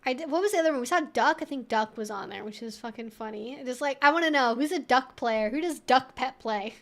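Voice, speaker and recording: Female streamer, high-pitched voice, informal and wry, reacting aloud to viewer messages. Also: quick pace, fairly bright tone. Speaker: livestream host answering viewer chat. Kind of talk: casual livestream chat.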